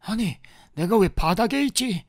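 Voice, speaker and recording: 아주 높은 목소리의 남자가 징징대고 애원하며 울부짖는 우스꽝스러운 게임 캐릭터들을 더빙한다. 억양이 크게 오르내리고, 울림 없이 건조하게 녹음되었다. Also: male voice, sits high, lively intonation, moderate pace, no room sound, clean studio sound. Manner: whiny, pleading and wailing comic characters. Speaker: parody dubber. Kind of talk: comedic game parody dubbing.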